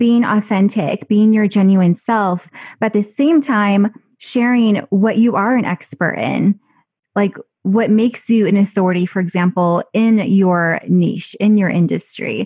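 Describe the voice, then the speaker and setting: Somewhat breathy, the voice has a dark, mellow tone. The pace is fairly slow. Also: woman, medium pitch for a woman, ordinary pitch variation, very even loudness. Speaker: filmmaker and video marketer. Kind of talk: interview.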